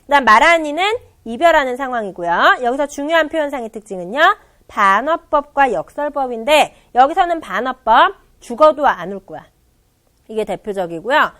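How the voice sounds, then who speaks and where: A woman's voice: high-pitched, animated, moderate pace, fairly bright tone. A woman teaching a recorded exam-prep lecture, explaining with acted-out examples and repetition.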